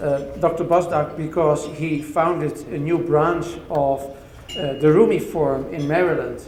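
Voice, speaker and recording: A man with a non-native accent talks at a fairly slow pace, with fairly high pitch and fairly even intonation. Audible room echo and noticeable background noise surround him. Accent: non-native English speaker. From Netherlands. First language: Dutch. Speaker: theology professor. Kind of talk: keynote speech. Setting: dinner event with audience. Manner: some hesitations and fillers.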